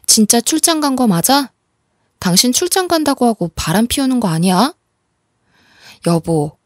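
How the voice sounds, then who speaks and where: A woman's voice: medium pitch, no room sound, clean studio sound, close to an everyday voice. A woman voicing a young wife on the phone who brushes off questions and snaps back when doubted, in a storybook reading.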